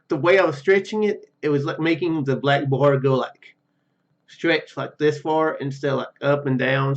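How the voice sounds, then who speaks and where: A man with a fairly high voice gives casual gameplay commentary. He rambles and restarts phrases, with lively swings in pitch. The sound is dull and lo-fi. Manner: rambling, hesitant, repeats words and trails off. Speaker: let's-play video host. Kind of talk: casual gameplay commentary mixed with reading dialogue aloud. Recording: dull lo-fi mic with faint music.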